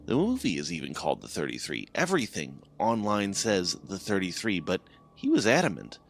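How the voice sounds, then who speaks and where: Low-voiced man narrating a horror story. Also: huge pitch swings, brisk, vocal fry, slight background noise. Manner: dramatic, swells and drops for suspense.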